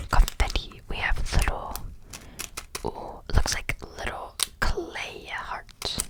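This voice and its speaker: A woman whispering at a very slow pace, with long, frequent pauses, big swings in loudness, and noticeable background noise. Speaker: ASMR creator. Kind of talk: ASMR slime unboxing. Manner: soft-spoken.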